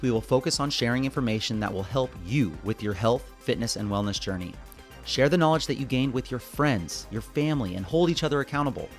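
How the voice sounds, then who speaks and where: American man hosting a solo podcast. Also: medium pitch. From United States. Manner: earnest, conversational, addresses listeners directly. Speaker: podcast host. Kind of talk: semi-scripted solo podcast narration.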